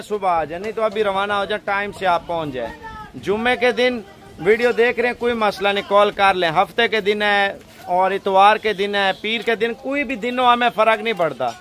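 High-voiced young man pitching goats. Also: fairly bright tone. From Pakistan. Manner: persuasive, salesy, heavy religious fillers. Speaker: goat farm seller. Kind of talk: selling pitch to camera. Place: outdoor goat pen on a farm. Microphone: phone camera at arm's length.

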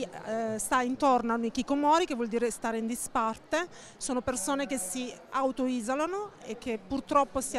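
A woman in her forties interviewed at an exhibition stand, speaking hesitantly with many fillers. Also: high voice. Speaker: association representative. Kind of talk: interview at a book fair stand. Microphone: handheld interviewer mic.

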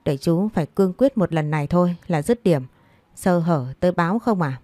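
In this audiobook scene, a cheeky young man in his twenties rattles off teasing banter, as a woman reader puts him on. The voice sits low and mellow and is recorded close and dry. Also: expressive, no room sound. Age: 20s. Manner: quick, needling banter.

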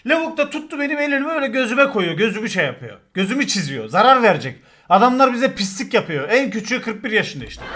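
A man with a high-sitting voice entertains his stream chat with crude football tales. He's casual and animated, cursing freely and acting out the shouting.

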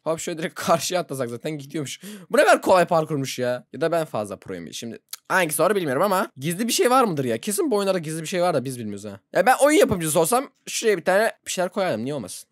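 Excitable young Turkish-speaking gamer, lively pitch. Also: no echo, studio quality. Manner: excitable, laughs often, yelps when startled. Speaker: gaming YouTuber. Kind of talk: casual Roblox let's-play commentary.

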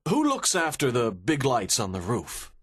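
A man voicing a calm, calculating genius prisoner in an audiobook, terse and precise. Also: mid-range voice, measured pace, husky, dry recording, clean studio sound, heavily acted. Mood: cool, calculating.

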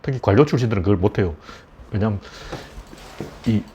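A man's voice: on the low side, fast talker, background noise. A middle-aged man giving casual, blunt political commentary with scornful, mocking asides. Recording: dull lo-fi recording.

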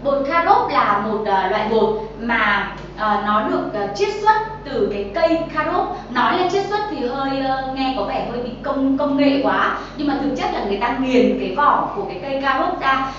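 In a cooking and nutrition tutorial filmed in a bright kitchen studio, a young Vietnamese woman talks directly to viewers about a healthy drink, chatty and full of fillers. Her voice is high and a bit bright, with heavy reverb, a distant mic, lo-fi sound and a little hiss or hum.

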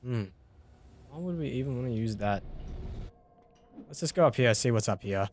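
A man's voice: mid-range voice, animated, normal speed, slight background noise. A young Australian man giving casual let's play commentary, thinking aloud and swearing mildly as he plays. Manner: casual, muttering thoughts aloud with mild swearing. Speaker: gaming YouTuber.

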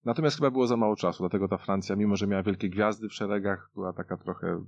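Male pundit, very low and creaky, casual rambling delivery, dull studio recording. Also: steady tone, racing. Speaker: football pundit. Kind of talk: casual sports discussion. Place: radio studio. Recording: dull, muffled studio audio.

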